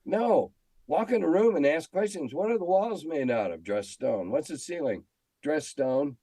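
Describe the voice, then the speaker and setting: A man's voice: a little high, lively intonation, normal speed, warm tone, dry recording, rough recording. An older American man answering in a conversational interview, telling stories and stressing his opinions with emphatic repetition. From United States. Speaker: interview guest, veteran game designer and editor.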